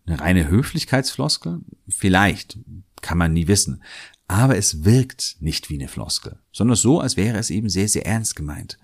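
Podcast host, man, German native speaker, very low voice, reflective monologue with gentle hesitations. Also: big pitch swings, normal speed, breathy edge. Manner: thoughtful, musing, hedges and repeats words.

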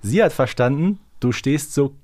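Man chatting, very animated intonation. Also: medium pitch, moderate pace, no room sound. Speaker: podcast co-host. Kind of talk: casual chat.

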